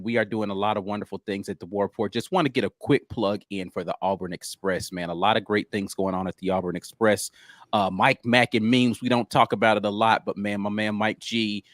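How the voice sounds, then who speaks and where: Man, low voice, laid-back, casual, dry close mic. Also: a bit bright, dry recording. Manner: laid-back, lots of ums and slang. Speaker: podcast co-host, film analyst. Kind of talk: casual sports talk.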